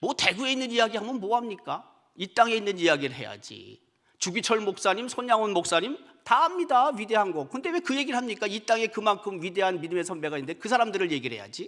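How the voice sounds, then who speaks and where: This man talks at a very fast pace in a high pitch, his tone animated and his pitch swinging very widely. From Seoul. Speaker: pastor. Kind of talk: sermon. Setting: church.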